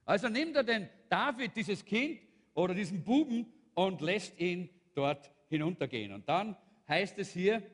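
A man's voice: high-pitched, sing-song, measured pace. A man, a pastor preaching a sermon and animatedly retelling a Bible story, acting out the characters. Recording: long hall reverb.

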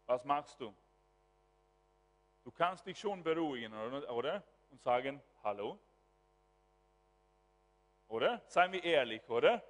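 Man, pastor, sermon, slightly high voice, long hall reverb. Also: measured pace. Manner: animated preaching, swinging from quiet asides to loud exclamations.

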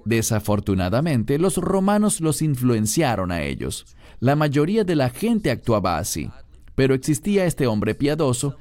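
Lively Spanish-language preacher, dry sound. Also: male voice, mid-range voice, no echo. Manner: reads verses then explains them. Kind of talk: expository sermon.

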